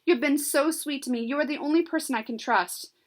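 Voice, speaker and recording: A woman voicing an upset teenage girl who complains in high, quick outbursts. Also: lightly acted. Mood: apologetic, scheming.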